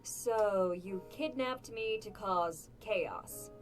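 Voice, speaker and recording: A woman voicing an indignant, sharp-tongued young princess in a cartoon. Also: mid-range voice, extremely slow, soft background music. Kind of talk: dramatized cartoon parody dialogue.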